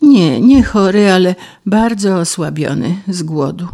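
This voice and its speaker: A woman's voice: on the low side, animated, measured pace, mellow. A woman voicing a weak, starving male grasshopper who begs for help in a plaintive way. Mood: pleading.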